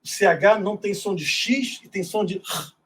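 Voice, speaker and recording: Husky-voiced man lecturing. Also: sits high, normal speed, a bit bright. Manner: informal, explanatory, with frequent tag questions. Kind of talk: classroom lecture. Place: synagogue auditorium.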